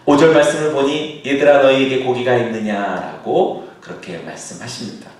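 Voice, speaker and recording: A male pastor preaching a sermon, now and then bursting into shouted calls as he acts out a scene. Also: medium pitch, normal speed. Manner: acts out shouted calls across the water, then drops to a soft aside. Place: church sanctuary. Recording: echoey church hall, heard from a distance.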